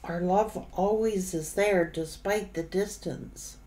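A middle-aged woman giving an unscripted tarot reading in halting, broken phrases that she often repeats. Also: mid-range voice, warm tone, rough recording. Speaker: tarot reader. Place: indoor room, seated at a table.

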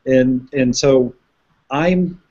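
A man explains his research in a careful, measured way, with many pauses and fillers, in an online video chat. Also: mid-range voice, darkish tone. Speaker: visualization researcher guest. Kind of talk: conversational explanation. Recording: slightly muffled web broadcast.

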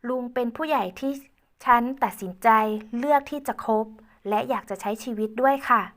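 A playful young tomboyish woman who teases and says exactly what she feels. Her voice sits higher and rings out louder than the narration around it, as a woman narrator puts her on. Direct, bright and a little cheeky, from a spoken storybook. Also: normal speed, close to an everyday voice. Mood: affectionate. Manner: teasing and direct.

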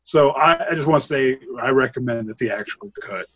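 A man with a slightly husky, mid-pitched voice talks over a desk mic on a video call. He rambles through his opinions with loose restarts and bursts of laughter. It sounds like casual podcast chat from a home room. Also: brisk, dry recording, muffled recording. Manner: rambling, laughing, animated when amused. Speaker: podcast co-host, horror film reviewer. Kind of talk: casual film review chat.

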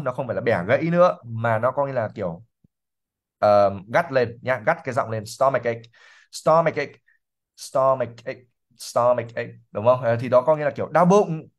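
An English teacher, male, goes over English vocabulary in a livestreamed reading class. He says the words slowly, more than once, and reasons out loud using fillers. His pitch sits in the middle.

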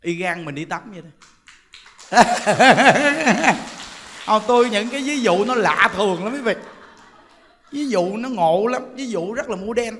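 A man's voice: sits high, expressive, moderate pace, a bit bright, a little hiss or hum. A man with a Southern Vietnamese accent, a Buddhist monk giving a humorous Dharma talk, chatty and joking as he tells stories and laughs often. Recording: long hall reverb.

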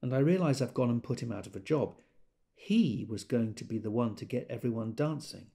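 A man's voice: medium pitch, animated, fairly quick, vocal fry, mellow. An actor playing a wry gay man who tells of a party in an observant, dramatised literary monologue. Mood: reflective.

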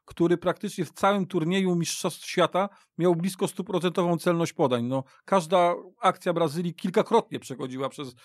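Higher-voiced man, halting football talk. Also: no echo, clean studio sound. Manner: halting, repeats words. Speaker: radio football podcast panelist. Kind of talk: casual chat. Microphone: studio mic.

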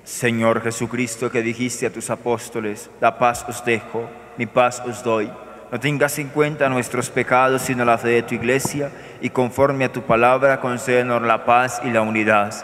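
Give me a priest, speaking in a monotone as he prays through the Mass in a reverberant church. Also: medium pitch, a little hiss or hum. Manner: measured, solemn liturgical recitation. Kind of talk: celebrating Mass, praying aloud. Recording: echoey church with long reverb.

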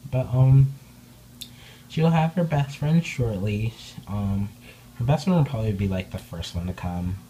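A woman chatting casually in an indoor room as a doll hobby vlogger, rambling with many filler words and bubbly excitement. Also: a bass voice, a little slow, long pauses, low-quality recording. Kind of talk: casual update vlog. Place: indoor room, speaking off camera behind dolls.

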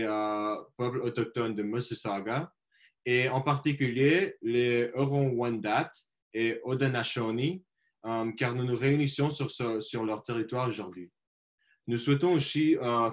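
A young man moderating a video call, reading a formal land acknowledgement carefully and stumbling over names with fillers. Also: medium pitch.

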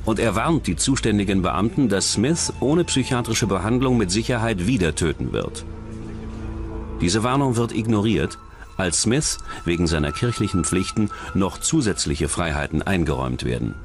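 A man reading scripted true-crime documentary narration in a measured, serious manner. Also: sits low, animated, music in the background.

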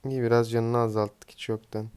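A young man with a smooth, clear voice at an ordinary middle pitch, talking loosely to his viewers while he plays. He teases his teammates and swears lightly at them. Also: flat delivery, brisk, darkish tone. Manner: chatty, teasing, swears casually at teammates. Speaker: gaming streamer. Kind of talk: casual live gameplay commentary.

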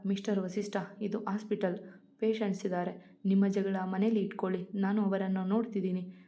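A woman's voice: medium pitch, flat delivery, brisk, warm tone, natural voice. A woman voicing a firm, scolding male hospital doctor in a storybook reading. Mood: stern. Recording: dull lo-fi recording.

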